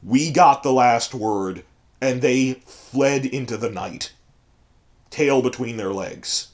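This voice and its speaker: A man with a hoarse voice from a cold delivers a long, digressive monologue as a fandom commentator. His pitch sits in the middle of the usual range, and he talks with an emphatic, scornful edge. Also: slow pace. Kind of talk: ranting commentary.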